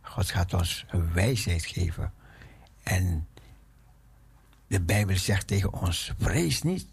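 A man preaching a sermon in a halting way, often repeating his phrases. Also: low-pitched, fairly even intonation, gravelly, breathy edge.

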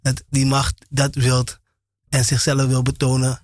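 A man's voice: mid-range voice, completely flat delivery, measured pace, a little mellow, no room sound, studio quality. Stammering man on Christian radio. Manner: stammering, repeating words.

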